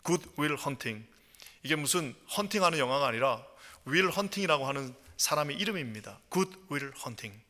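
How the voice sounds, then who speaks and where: A male pastor preaching a sermon with passion, moving between quiet storytelling and loud, ringing proclamation. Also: fairly high pitch, expressive, moderate pace, long reverb tail. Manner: impassioned, swings from hushed storytelling to loud proclamation. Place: church sanctuary.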